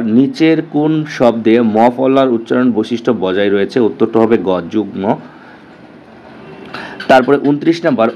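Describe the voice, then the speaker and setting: A man teaching an exam-prep lesson, quickly going through answers, repeating them and checking with his students. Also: mid-range voice, warm tone, muffled recording.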